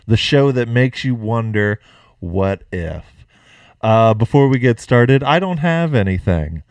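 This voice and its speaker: A man's voice: mid-range voice, animated, moderate pace, darkish tone, clean tone, dry recording. A young man hosting a podcast in casual chat, laughing often and joking loosely. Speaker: podcast host.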